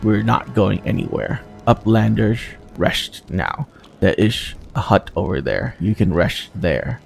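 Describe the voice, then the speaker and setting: A man's voice: low voice, animated, unhurried, vocal fry, full character voice. A man voicing a cool, defiant female tribal hunter from a fantasy game, with a commanding manner. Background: game music.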